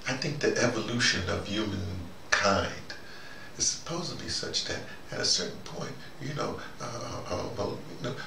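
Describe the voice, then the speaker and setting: A man giving a rambling, informal monologue as host, halting and digressive, often falling back on "you know". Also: fairly low pitch, vocal fry, pushed and bright. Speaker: host of a spoken dispatch series. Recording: roomy, noisy, distant microphone.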